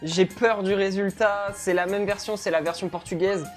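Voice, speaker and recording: A woman giving casual reaction commentary in an expressive, exclamatory, colloquial way, as a video host. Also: medium pitch, normal speed, soft background music.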